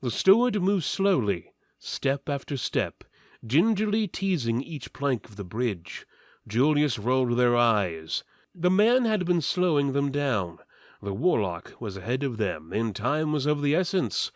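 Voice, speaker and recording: A man's voice: medium pitch, measured pace, no room sound, studio quality. A man giving a mock-serious dramatic reading of fantasy fiction, narrating theatrically while keeping a straight face. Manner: theatrical, deadpan delivery of absurd lines.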